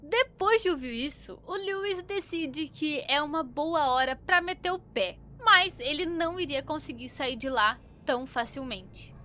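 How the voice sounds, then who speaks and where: Bright, high-voiced young Brazilian woman. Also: expressive, a little slow, few pauses, slight background noise. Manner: informal, opinionated asides. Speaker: YouTube commentator. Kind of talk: casual story recap commentary.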